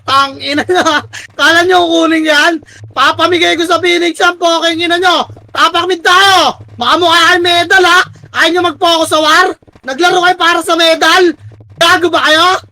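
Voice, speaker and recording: A very high-pitched woman calls the shots for her team in the middle of a live game. Her voice is bright and piercing. She fires off quick orders, swears at her teammates nonstop, and often breaks into exasperated shouting. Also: fairly even intonation, rough recording. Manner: barks rapid commands and swears constantly at teammates. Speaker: team commander in an online strategy game. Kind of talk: live gameplay shot-calling.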